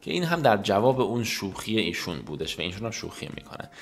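A man teaching an English lesson, repeating English phrases slowly and then explaining them in Persian, his native language. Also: fairly low pitch, big pitch swings.

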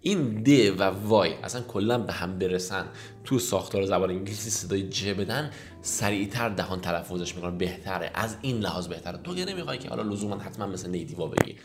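A man whose first language is Persian, teaching English phrases in a casual lesson, reading example lines slowly and explaining them quickly. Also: deep voice, expressive, faint music behind. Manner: explains rapidly in casual Persian, addressing viewers as kids.

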